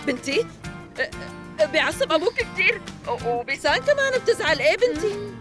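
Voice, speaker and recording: A woman with a Syrian accent voicing a fussy, excitable middle-aged mother and aunt in a dubbed TV drama, talking fast and exclaiming a lot. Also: very high-pitched. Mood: panicked. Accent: Syrian Arabic. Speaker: dubbing actor. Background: music score.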